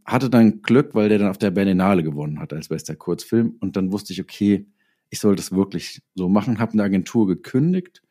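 Male interview guest, relaxed dark tone on the low side, informal anecdotal delivery with pauses. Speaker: interview guest, writer and director. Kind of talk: casual personal storytelling in an interview.

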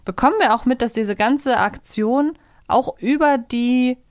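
A woman's voice: fairly high pitch, unhurried, no room sound. Woman in a dry podcast recording. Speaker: podcast co-host. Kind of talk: casual review chat.

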